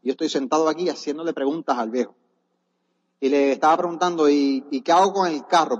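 A man's voice: on the high side, darkish tone. Man, motivational seminar speaker; earnest and urging, long hall echo, muffled sound. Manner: earnest, exhorting the audience. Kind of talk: motivational testimony on stage. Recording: dull echoey hall recording.

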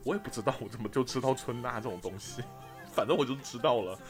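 A man from Sichuan, China, co-hosting a podcast and telling a trip story in casual chat, animated and often laughing. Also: medium pitch, fast talker, music in the background. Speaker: podcast co-host.

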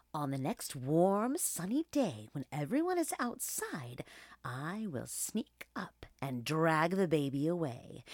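A woman's voice: low voice, no room sound, studio quality, full character voice. A woman voicing a sly, mischievous aging female wolf in a children's storybook, teasing and persuasive. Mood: scheming.

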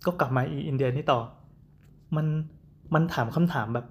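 A man telling a story in casual chat, halting and full of fillers, dropping English words into his talk. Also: medium pitch. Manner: rambling, many fillers, mixes in English words.

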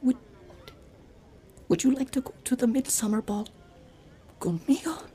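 A woman playing a shy, polite male mouse suitor in an audio play, hesitant, breathy and stammering. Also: high voice, animated, unhurried, very noisy. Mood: nervous, tender. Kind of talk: audio theatre acting.

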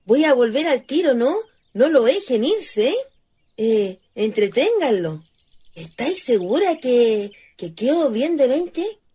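The youngest sister among country ghosts in a Chilean radio drama. Her voice is fairly high and girlish, with a rustic Chilean accent. She comes across as dreamy and wistful, with a cheeky streak. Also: dark tone, slightly rough, exaggerated voice. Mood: excited. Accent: rural Chilean. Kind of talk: radio theatre acting.

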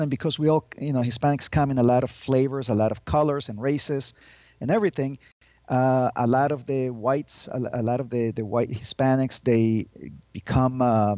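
Higher-pitched man in his fifties, lo-fi. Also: warm tone, no echo. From Colombia. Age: 50s. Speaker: interview guest, advocacy group spokesman. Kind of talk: conversational interview answers. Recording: dull lo-fi audio with music.

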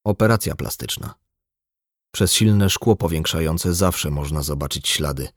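A man voicing a blunt, embittered, drunk male doctor in an audiobook, gruff and lecturing. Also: very deep voice, a little slow, dry recording, studio quality, heavily acted. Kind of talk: audiobook dialogue.

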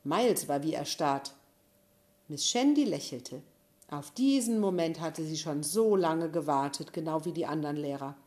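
A woman narrating a storybook chapter in an even, measured reading style. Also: sits low. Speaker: audiobook narrator.

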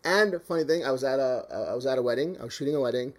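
A man's voice: medium pitch, rapid-fire. A Canadian man telling stories in a casual podcast chat, rambling with plenty of "um" and "like". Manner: chatty, rambling with many fillers.

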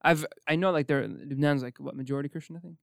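A young man from Morocco hosting a casual podcast chat. He rambles quickly, full of "like" and "you know what I mean". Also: on the high side, creaky, dry recording, clean studio sound. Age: young adult. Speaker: podcast host.

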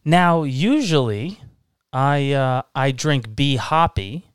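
A man's voice: medium pitch, animated, takes it slowly, clear, resonant tone, dry recording, clean studio sound. A man in his thirties from Massachusetts, co-hosting a casual podcast chat over beers, joking and teasing with a laugh. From Massachusetts, USA. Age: 30s. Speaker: podcast co-host.

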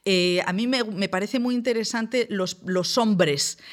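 A woman's voice: mid-range voice, measured pace. Give me a chatty woman interviewer. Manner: chatty, enthusiastic, with many fillers. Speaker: interviewer, host. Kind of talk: conversational interview.

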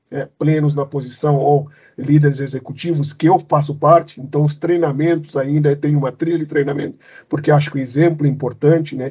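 A man's voice: on the high side, warm tone, breathy edge. A man from Cape Verde, a company leader, answering interview questions thoughtfully, with many fillers and restarts. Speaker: company executive, guest.

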